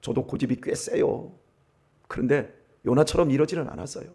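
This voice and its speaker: A male pastor giving an early-morning sermon, emphatic, swinging between loud and hushed. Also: mid-range voice, a little fast, vocal fry, slightly rough. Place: church.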